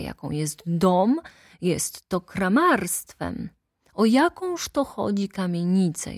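A woman voicing a talkative older male lawyer who speaks in an animated, insistent way. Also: fairly low pitch, no echo, clean studio sound.

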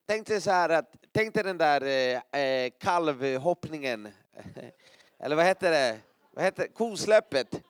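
A man preaching to a gathering in a smooth, resonant voice that sits fairly high. He tells vivid, animated stories, punctuates them with spoken sound effects and laughs easily. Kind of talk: sermon with lively storytelling.

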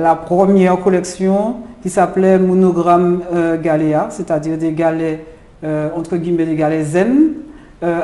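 A woman's voice: on the low side, mellow. Hesitant woman guest from Martinique. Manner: hesitant, many fillers "euh". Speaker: jewelry designer, guest. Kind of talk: interview answers. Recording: roomy echo.

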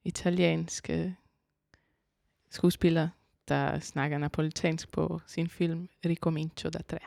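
Low gravelly woman, hesitant interview guest. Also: level tone, darkish tone, no room sound, studio quality. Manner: hesitant, searching for words. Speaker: composer and vocalist, guest. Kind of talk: casual radio interview. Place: concert hall.

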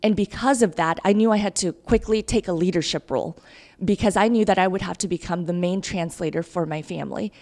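A woman's voice: on the low side, brisk, a little mellow. A woman, raised in Kansas, telling her story in an upbeat, earnest way as a podcast guest. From Guatemala. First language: Spanish. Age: 30s. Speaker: mayoral candidate, podcast guest. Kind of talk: podcast interview.

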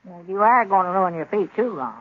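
An actor playing a fretful old country man with a raspy voice and a rural Southern US accent in a 1930s radio comedy. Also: high voice, expressive, a little fast, phone-quality sound. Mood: fretful, folksy.

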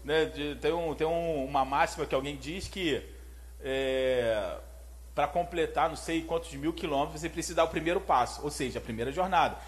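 High-voiced animated preacher man. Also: moderate pace. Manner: animated, conversational, asks the audience questions. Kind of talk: sermon.

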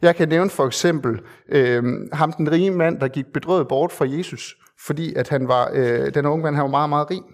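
A male preacher delivers a sermon in a fairly high voice. He speaks earnestly and conversationally, pausing on fillers and repeating phrases to stress his point.

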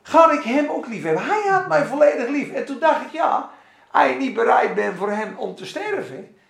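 A man's voice: very high-pitched, normal speed, creaky, echoey room. A man preaching informally and fervently to a friend, speaking straight to her as he works through scripture. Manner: fervent, animated, speaks directly to the listener. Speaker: lay preacher.

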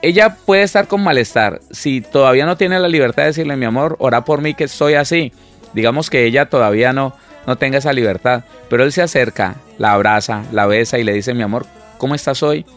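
Minister guy chatting on a christian show, does little voices for husband and wife, repeats himself a lot, soft music under it. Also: medium pitch, brisk. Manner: acts out spouses in quoted dialogue, repeats words often. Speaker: minister, co-host. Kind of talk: casual chat on a Christian program.

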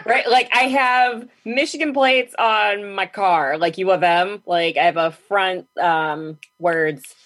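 A woman's voice: mid-range voice, fairly even intonation, slow, hardly any pauses, a bit bright. A woman hosting a casual chat, reacting to a guest's story with playful jokes. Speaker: podcast host.

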